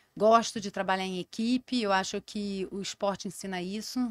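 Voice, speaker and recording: A woman with a Rio de Janeiro accent sounds energetic at a medium pitch with ordinary variation, recorded very cleanly with a silent background and a dry, close sound with no echo. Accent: carioca. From Rio de Janeiro, Brazil. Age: 50s. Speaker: business executive and amateur athlete. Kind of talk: podcast interview.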